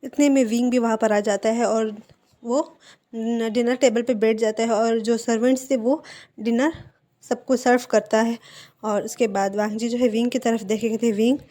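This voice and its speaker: A woman casually narrating a fan-fiction story, linking scenes with relaxed fillers. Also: on the high side, normal speed. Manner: casual, retelling with connecting fillers.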